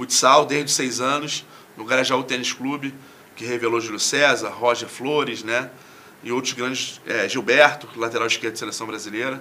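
A man with a Carioca accent speaks at a moderate pace with fairly even intonation and big swings in loudness. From Rio de Janeiro. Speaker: football coach. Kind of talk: studio interview. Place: studio.

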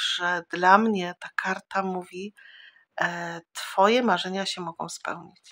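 A woman at a very slow pace, monotone and flat in intonation, with big swings in loudness. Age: 50s. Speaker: tarot reader. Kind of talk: tarot reading. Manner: warm, affectionate. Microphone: phone near.

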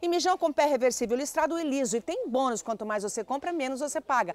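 A woman with a high pitch talks at a fairly quick pace, the sound dry and close with no echo and noticeable background noise behind her. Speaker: TV shopping presenter. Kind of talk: rapid-fire TV shopping pitch rattling off prices. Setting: walking through a store on camera. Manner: chummy, coaxing, calls viewer mamãe.

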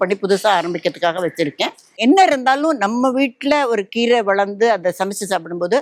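A woman's normal speaking voice with ordinary pitch variation, in a dry, close sound with no echo. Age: 60s. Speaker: retired bank employee and home gardener. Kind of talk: casual interview talk / garden tour.

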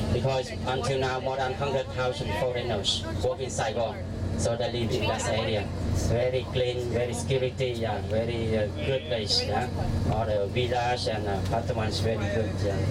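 A moderate pace against loud background noise. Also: man. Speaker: local tour guide. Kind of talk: tour guide commentary. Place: car. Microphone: camera far.

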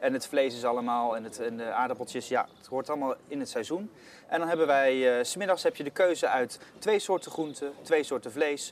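Amid light background noise, a man talks at a fairly quick pace with big swings in loudness and ordinary pitch variation. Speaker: guest. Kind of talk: interview answer. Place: cafe. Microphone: lapel.

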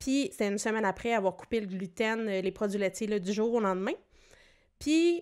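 Over a quiet background, a woman with a Quebec accent speaks at a fairly high pitch with ordinary pitch variation. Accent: Québécois French. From Quebec, Montreal South Shore. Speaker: podcast co-host living with multiple sclerosis. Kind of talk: casual chat. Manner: animated. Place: studio. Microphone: studio mic.

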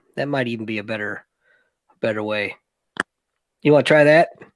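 A man's voice comes through in a dry sound with no echo over a quiet background. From St. Louis, Missouri. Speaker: podcast host, military veteran. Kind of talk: casual chat. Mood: relaxed, joking. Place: home room. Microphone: studio mic.

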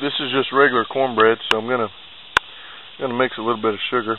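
The recording sounds dry, with no echo. Background noise is noticeable. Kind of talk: casual tutorial. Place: garden. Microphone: phone near.

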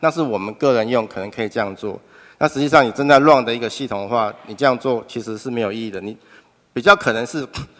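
On a very clean recording with a silent background, a man with a Taiwanese accent talks at a very fast pace, at a medium pitch with ordinary pitch variation. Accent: Taiwanese Mandarin. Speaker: cloud engineer. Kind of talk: conference talk. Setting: stage with audience. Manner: halting, many fillers.

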